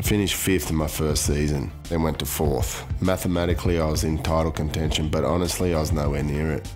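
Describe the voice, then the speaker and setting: A man with an Australian accent, very deep and low in pitch, at a very fast pace with hardly any pauses, fairly even intonation and very even loudness, music in the background. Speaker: pro surfer. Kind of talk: autobiographical documentary narration.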